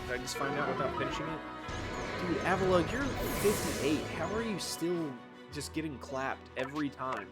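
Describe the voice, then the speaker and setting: A man's voice: a little high, expressive, moderate pace. A man streaming a video game, reacting aloud in casual, slangy, incredulous commentary with some mild swearing. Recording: loud music behind the voice. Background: loud game music.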